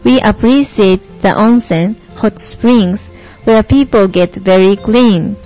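Taking it slowly in a mid-range, slightly mellow voice close to how she normally talks, a young woman from Japan portrays an earnest American Christian panelist in a scripted student stage play. The recording is low quality, with music playing, and her mood is earnest and measured.

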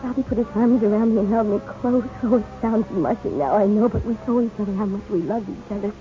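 An actress playing an anguished wife recounting an ordeal in a 1950s radio drama, emotional and halting. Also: female voice, medium pitch, close to an everyday voice. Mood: tender, distressed. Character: anguished young wife recounting her abduction. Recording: muffled old radio, music behind.

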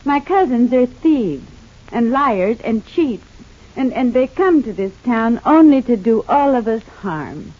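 Older country mother, soft and hesitant, moderately high voice, old dull radio transcription, 1940s radio play. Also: sing-song, a little slow. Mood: grave. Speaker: radio soap opera character.

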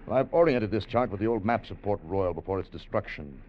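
A man's voice: fairly low pitch, animated, a little fast, slight background noise, natural voice. An actor playing an earnest, hesitant man leading a treasure salvage voyage, in 1940s radio acting, on a dull old broadcast recording. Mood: explaining.

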